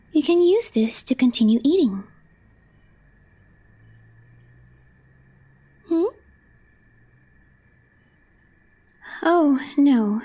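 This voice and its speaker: Woman doing a kuudere coworker girl for asmr, slow n breathy, mellow tone, totally deadpan but secretly sweet on you. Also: high voice. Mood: calm, matter-of-fact. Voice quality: soft, breathy, half-whispered. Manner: deadpan, measured, pausing between short phrases. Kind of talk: intimate ASMR roleplay, scripted.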